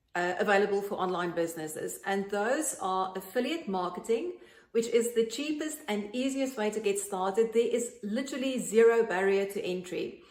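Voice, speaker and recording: With a South African accent, a woman speaks at a moderate pace with hardly any pauses, using a fairly high pitch, lively intonation and an enthusiastic tone, while room echo is audible. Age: 40s. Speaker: artist and online business promoter. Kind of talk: sales pitch. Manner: casual, enthusiastic.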